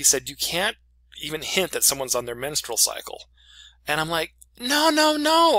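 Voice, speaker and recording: This man's bright, sharp voice is raised and projected, swinging very widely in pitch. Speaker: college English professor. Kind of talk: lecture. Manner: conversational, filler words, repeats 'okay'.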